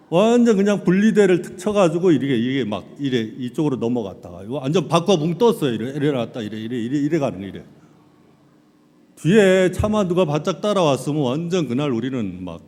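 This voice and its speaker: A middle-aged male pastor preaching a sermon, telling personal stories in an animated way and acting out scenes. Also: fairly high pitch. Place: large hall at a church camp. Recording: long reverb of a large hall.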